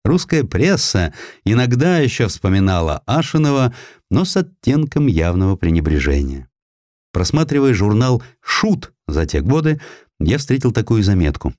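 Low-voiced man narrating with sweeping intonation. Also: normal speed, dry recording, studio quality. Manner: expressive storytelling. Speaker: audiobook narrator. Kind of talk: scripted dramatic narration of historical prose.

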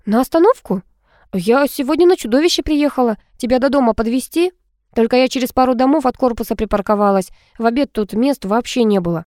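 A woman's voice: on the high side, a little fast, darkish tone, no room sound, voice pushed up, lightly acted. A woman voicing a curious, chatty young woman student who keeps asking questions, in a dry recording. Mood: eager. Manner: eager, questioning.

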